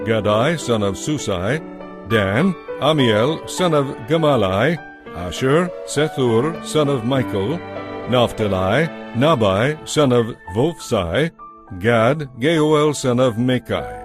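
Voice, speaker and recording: A man narrating a dramatized audio Bible with measured, solemn scripted delivery. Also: mid-range voice.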